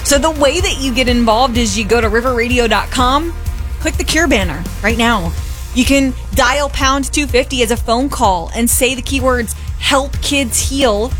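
A woman's voice: fairly high pitch, moderate pace, a bit bright, soft background music. A woman radio host making an earnest fundraising appeal, urging listeners to give.

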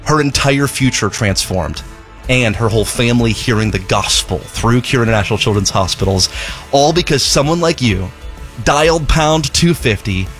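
A man's voice: medium pitch, animated, moderate pace, a bit bright, faint music behind. A man from Zimbabwe, a charity spokesman, telling a heartfelt story in a radio fundraising appeal, often repeating words as he goes.

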